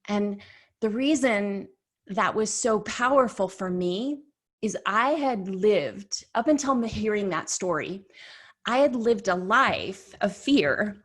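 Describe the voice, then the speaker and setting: A woman's voice: mid-range voice, animated, slow. A woman leading a workshop in a chatty, conversational storytelling manner, often saying "like" and correcting herself mid-sentence. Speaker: workshop leader.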